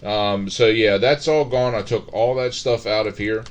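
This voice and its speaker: A man's voice: fairly low pitch, fairly even intonation, a little slow, muffled recording. A middle-aged man giving casual, rambling commentary on his Minecraft game, full of fillers and restarts. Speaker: Minecraft let's-play host.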